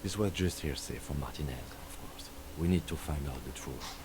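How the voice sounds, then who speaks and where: A man voicing a calm, methodical police lieutenant who briefs his partner in a measured, matter-of-fact way. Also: extremely low pitch, background noise.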